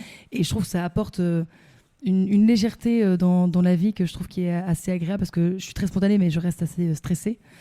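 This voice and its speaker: On a very clean recording with a silent background, a woman speaks at a very fast pace in a medium-pitched voice with a dark, mellow tone, fairly even intonation and big swings in loudness. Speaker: interview guest. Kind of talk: casual interview. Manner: hesitant, many fillers.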